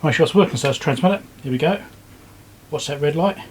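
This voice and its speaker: A man giving casual, low-key commentary as he works, thinking aloud step by step like a repair video host. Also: fast, husky. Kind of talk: casual hands-on commentary while working. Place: indoor repair workbench.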